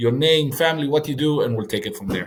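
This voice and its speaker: A somewhat breathy male voice in a very clean recording with a silent background. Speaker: podcast host. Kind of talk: podcast interview.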